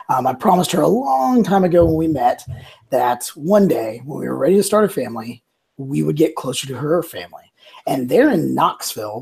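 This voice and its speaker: A man, a guest on a casual panel chat, telling a story in a relaxed way with fillers. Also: on the high side, vocal fry, slightly rough. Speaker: guest, lead organizer.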